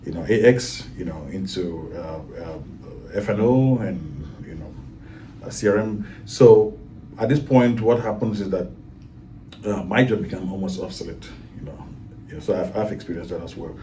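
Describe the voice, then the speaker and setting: A man's voice: sits low, moderate pace, recorded from a distance, noisy background. A man from Cameroon, a guest in a casual talk, speaking with many fillers and restarts. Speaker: guest, IT project manager.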